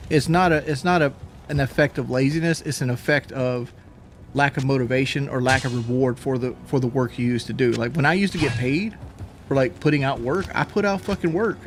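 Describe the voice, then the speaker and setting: A man's voice: mid-range voice, fairly quick, slight background noise. A man chatting casually on a live stream, out of breath after a workout, rambling and repeating himself as he talks.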